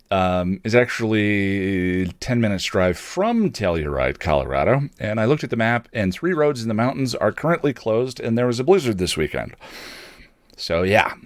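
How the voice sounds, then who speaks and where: A man's voice: fairly low pitch, sing-song, moderate pace, no echo. A man hosting a podcast, giving casual, rambling announcements with dry, self-deprecating humour. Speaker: podcast host and streamer.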